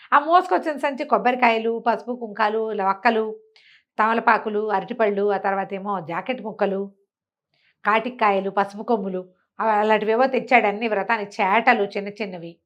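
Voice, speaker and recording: A woman telling an oral story in a colloquial, conversational way, putting rhetorical questions to her listener. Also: mid-range voice.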